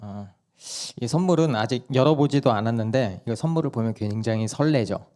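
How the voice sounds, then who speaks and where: A hoarse male pastor giving a sermon at a church service, telling stories and asking the congregation questions. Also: medium pitch, fairly quick, dark tone. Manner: conversational storytelling, asks the congregation questions.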